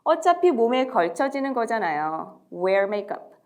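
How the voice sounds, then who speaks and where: A woman teaching everyday English phrases to parents, modelling each phrase slowly and clearly. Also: on the high side, very animated, darkish tone. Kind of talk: slow, deliberate language lesson.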